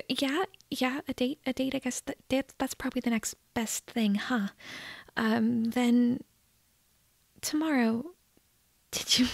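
A woman playing a shy, nervous teenage girl in love with a best friend, in a breathy, hesitant ASMR roleplay whisper. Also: fairly high pitch, no room sound. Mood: happy, flustered. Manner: hesitant, halting, tender.

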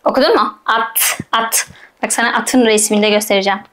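Birinci sınıf öğrencilerine hecelere bölerek okuma öğreten bir kadın öğretmen; sesleri tek tek tekrar ediyor ve çocuğu nazikçe yüreklendiriyor. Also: female voice, on the high side, steady tone, fairly quick, noisy background. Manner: patient, sounds out syllables and repeats them many times; gentle, coaxing, talks straight to the child. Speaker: primary school teacher. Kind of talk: slow phonics reading lesson for first graders.

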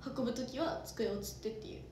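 A woman's voice: on the high side, quick pace, darkish tone. A woman, chatting casually on an idol livestream and reading out viewer comments. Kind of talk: casual chat. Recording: echoey room with noticeable noise.

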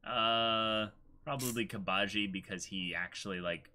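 A man's voice: on the low side, measured pace, pushed and bright. A man in his twenties chatting casually as co-host of a livestream. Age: 20s. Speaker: streamer and co-host. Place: small room, indoors.

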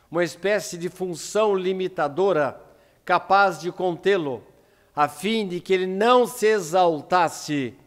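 A Brazilian man in his seventies giving a prepared religious lecture in Portuguese with deliberate, emphatic pauses at a lectern microphone. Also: a little high. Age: 70s. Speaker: lecturer at a Spiritist centre. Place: indoor lecture room at a lectern. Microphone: gooseneck lectern microphone. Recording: echoing hall with long reverb.

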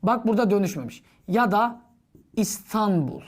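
During an exam-prep grammar lesson, a woman teaches in a highly animated voice that constantly swoops up and down, though her pitch is mid-range and her pace moderate. She asks herself questions and answers them, blending instruction with playful classroom banter.

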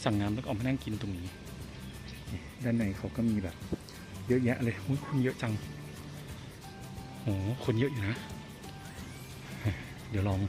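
A man's voice: medium pitch, normal speed, long pauses. A chatty man films himself on foot, exclaiming and talking straight to his viewers as he goes. He records on a handheld camera outdoors, in an everyday mid-range voice. Faint music plays underneath. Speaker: vlogger. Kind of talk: casual walking vlog. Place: outdoors on a street and in a garden cafe.

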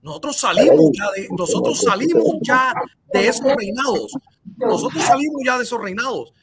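A man's voice: extremely high pitch, sing-song, normal speed, gravelly, a loud crowd. A man on a video call panel, insistent and repeating his points. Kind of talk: casual talk show banter.

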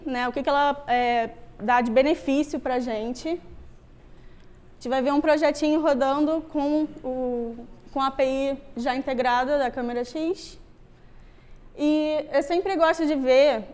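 Speaking high with a darkish tone, a young woman from Rio de Janeiro, her carioca Brazilian accent clear, chats casually through a tech talk. She's an Android developer and meetup speaker, on stage before a screen in a room with a wooden floor.

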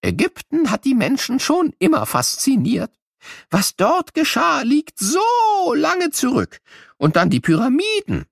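High-pitched, excitable old professor, cartoonish, playful exclamations, drawn-out words, dry studio sound. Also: male voice, gravelly, slightly rough, dry recording, full character voice. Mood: enthusiastic. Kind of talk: children's educational audio play.

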